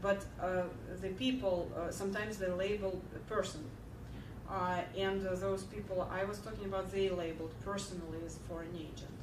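A woman's voice: mid-range voice, normal speed. Woman lecturing in an echoey hall. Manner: earnest, many fillers and restarts, animated when telling a joke. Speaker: keynote speaker. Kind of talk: lecture answering audience questions. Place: large lecture hall, at a podium. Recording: echoey hall, heard from far off, clear background hum.

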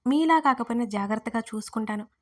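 A man's voice: extremely high pitch, fast talker. A woman voicing a caring, teasing young man who coaxes and soothes in an audio story. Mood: coaxing. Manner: coaxing, soothing.

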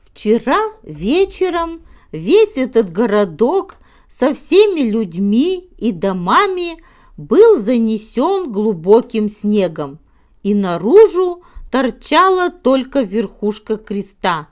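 Lady playing a proud old baron telling tall tales, slow, earnest, super expressive, storybook style. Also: fairly high pitch. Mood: amazed, boastful. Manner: self-important, earnest, deliberate.

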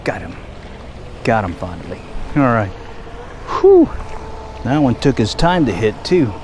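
A man filming himself fly fishing at a park pond, giving casual running commentary with relaxed, muttered asides while he casts, recorded on a head-mounted action camera outdoors. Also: lowish voice, unhurried, slight background noise, rough recording. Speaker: angler filming his fishing.

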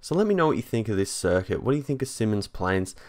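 A man's voice: lowish voice, very animated, fast, a little mellow, no room sound, clean studio sound. A young man, chatting casually and enthusiastically as he vlogs outdoors at a racetrack. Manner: chatty, enthusiastic, many ums and likes. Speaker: vlogger. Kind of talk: casual vlog commentary.

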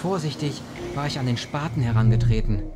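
A man's voice: medium pitch, a little fast, loud music behind the voice, lightly acted. An actor playing a grim, resolute man recounting his ordeal in an audio drama. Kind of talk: audio drama acting, storytelling. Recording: clear vehicle noise behind voice.

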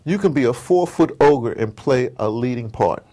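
A middle-aged man being interviewed, telling stories in a casual, animated way, repeating words and wandering off point. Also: mid-range voice, normal speed. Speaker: interviewed audio drama producer. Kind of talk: casual, digressive interview talk. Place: at his home base in New York.

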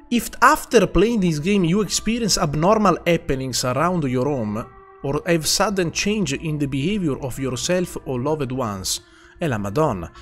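Lively Italian streamer man chatting. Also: mid-range voice. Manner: lively, swears casually, reads chat names quickly. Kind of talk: casual live-stream chat.

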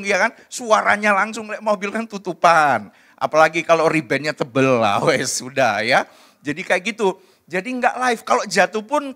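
A male pastor gives a relaxed, conversational sermon, slipping into stories and everyday talk. His voice sits a little high for a man. He speaks to the congregation in a chatty, storytelling way. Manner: chatty, anecdotal, acts out quoted people in lively voices. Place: church service.

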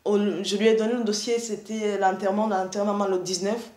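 Middle-aged woman from Rwanda, earnest halting testimony, many restarts, video call, echoey room. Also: mid-range voice, level tone, darkish tone. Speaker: testifying church member. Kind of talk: spoken testimony. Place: indoor room, seated in armchair.

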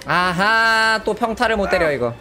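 Excitable streamer man, very lively pitch. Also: normal speed. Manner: excitable, bursts into loud surprised exclamations. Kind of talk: casual live gameplay commentary. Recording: game music behind the voice. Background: game music.

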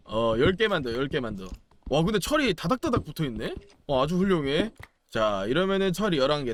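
Young male gaming commentator, high voice, very animated delivery, playful and chatty. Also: a little hiss or hum. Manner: playful, chatty, exclaims and chants while playing. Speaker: gaming YouTuber. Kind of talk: casual game commentary.

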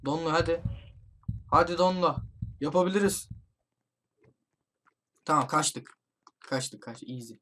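A man playing a horror game online with friends, commentating for his channel and urgently shouting warnings to his teammates. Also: a little high, slight background noise. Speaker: gaming YouTuber. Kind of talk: excited let's-play commentary with friends.

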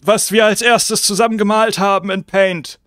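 A hoarse, decaying zombie uncle, put on by a man running a tabletop game, pleads and coaxes in a high voice, stumbling over his words. The sound is dry and close, with no room around it. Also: level tone, fairly bright tone, no echo. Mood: coaxing. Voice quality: hoarse, strained voice. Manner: pleading, repeats the name, halting restarts. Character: undead zombie uncle, decayed, coaxing and weary.

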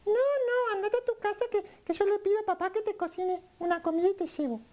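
A woman's voice: extremely high pitch, brisk, a little mellow. A woman playing a cheeky little girl, Little Red Riding Hood, in a children's puppet show, sassy and bossy.

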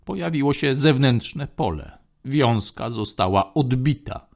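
A man voicing a quiet, terse male aide who mutters his replies. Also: mid-range voice, lively intonation, unhurried, vocal fry, voice pushed up.

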